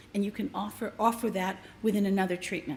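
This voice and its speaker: Audible room echo surrounds a woman of medium pitch speaking at a fairly quick pace. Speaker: aesthetics marketing consultant. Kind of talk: conference talk. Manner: fast.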